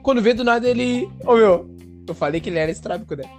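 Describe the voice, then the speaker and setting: A man, a podcast co-host telling a school story in an animated, slangy way full of fillers. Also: extremely high pitch, fast, faint music behind. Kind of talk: casual storytelling chat.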